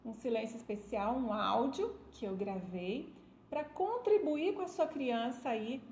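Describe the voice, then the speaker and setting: A woman's voice: high-pitched, lively intonation, slow pace. A middle-aged woman teaching a live-stream class, talking straight to viewers with frequent check-ins and emphatic asides. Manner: warm, emphatic, addresses viewers directly with frequent "né?" and "olha só". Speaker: educator hosting a live stream. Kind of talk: live-stream talk on education. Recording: echoey room with faint ambient noise.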